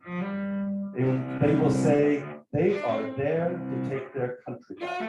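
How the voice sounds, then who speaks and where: Man reading reflective prose in echoey room. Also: a little high. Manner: measured, reflective reading of first-person prose. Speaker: actor reading a writer's piece. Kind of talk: literary reading at a live event. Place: bar event space, indoors. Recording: very echoey room, faint music.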